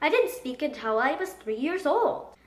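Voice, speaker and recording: Woman, high-pitched, lively storybook narration, expressive, echoey room. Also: normal speed. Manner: expressive, dramatic. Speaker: children's book read-aloud host.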